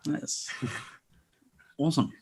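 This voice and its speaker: A man's voice: slow pace, a little mellow. A man from Australia chatting wryly over a video call at a party, rambling and joking. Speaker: party guest. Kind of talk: casual chat on a video call.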